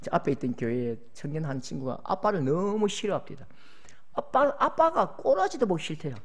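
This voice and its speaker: A male pastor with a Gyeongsang accent, preaching a sermon as lively storytelling. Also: on the high side, fairly quick. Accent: Gyeongsang Korean. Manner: lively storytelling, acting out voices.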